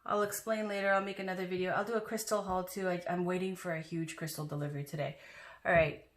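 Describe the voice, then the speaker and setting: A woman's voice: on the low side, fairly even intonation, quick pace. A woman giving a casual, chatty tarot reading to her viewers, with loose asides and fillers. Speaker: tarot reader.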